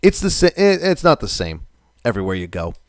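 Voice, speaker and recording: A man's voice: mid-range voice, sing-song, fairly quick, no echo, studio quality. Rambling casual male stream host. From New England. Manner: rambling, swears casually, reads viewer comments aloud. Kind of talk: casual live stream chat.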